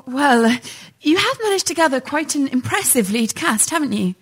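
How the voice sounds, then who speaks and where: A woman's voice: high voice, big pitch swings, moderate pace. A woman playing a probing radio host. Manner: crisp interviewer delivery, pushing the guest. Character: female radio host of a local talk show, brisk and probing. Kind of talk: comedy radio sketch.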